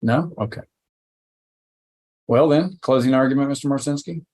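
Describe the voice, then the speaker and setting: A male judge with a mid-pitched voice presides over a hearing in a courtroom recording. He moves through procedure with short prompts and plain questions. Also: moderate pace, a little mellow.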